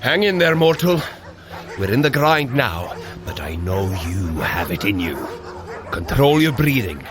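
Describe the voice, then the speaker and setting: An actor playing a heroic, good-humoured thunder god in an audio drama, speaking in a grand, deliberate manner. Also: male voice, medium pitch, big pitch swings. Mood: rallying. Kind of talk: scripted audio drama acting.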